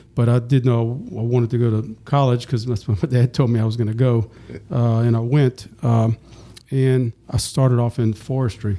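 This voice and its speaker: A man with a Louisiana accent, medium pitch, a dark, mellow tone and a moderate pace. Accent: Louisiana Southern. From New Orleans, Louisiana. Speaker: district attorney. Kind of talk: casual interview chat.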